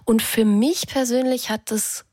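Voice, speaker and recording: Husky-voiced woman in her thirties. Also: on the high side, fairly even intonation, measured pace, darkish tone, no room sound, clean studio sound. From East Berlin, Germany. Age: 30s. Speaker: radio host. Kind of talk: call-in radio chat.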